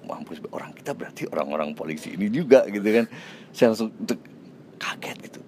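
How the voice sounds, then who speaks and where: A man's voice: on the low side, a little fast, slight background noise. A man, an actor, casually telling an anecdote in an interview, acting out the other people's lines in changing voices. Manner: acts out quoted dialogue in changing voices; relaxed, chatty, with fillers and self-laughs.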